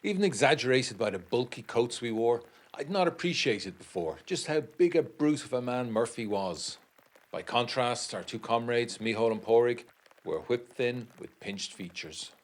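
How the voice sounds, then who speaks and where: A man acting an educated 1920s gentleman who reads out his uneasy letter in a formal, measured, literary way. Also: mid-range voice, lively intonation, lightly acted. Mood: sombre, descriptive. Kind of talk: dramatic reading of a gothic period letter.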